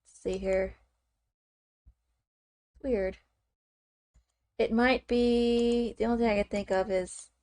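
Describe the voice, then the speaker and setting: A woman's voice: medium pitch, vocal fry, darkish tone, dry recording. A woman streamer chatting casually as she works, thinking aloud with frequent fillers and "okay"s. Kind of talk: casual chat while working on screen.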